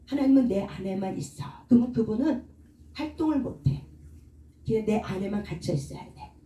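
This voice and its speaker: Woman, sermon, leads call-and-response, dark voice, echoey room. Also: a little high. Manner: asks the congregation questions, leads call-and-response. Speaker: prayer meeting leader. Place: church prayer room. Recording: echoey room, far from the mic.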